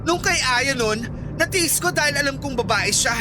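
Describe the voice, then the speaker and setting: Casting: high-voiced jealous gay lover played by an actor, wounded and sarcastic, accusing, radio drama over music. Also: expressive, normal speed. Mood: hurt, outraged. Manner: accusing, sarcastic, emotionally escalating. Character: jealous, wounded, sharp-tongued gay office worker confronting a lover. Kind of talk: Filipino radio drama acting.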